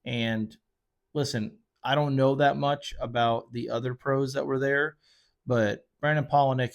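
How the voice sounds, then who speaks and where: With a gravelly, mid-range voice, a man hosts his show solo at a desk mic. He guides fishing charters for a living. His conversational commentary wanders, heavy on fillers and frequent corrections of himself.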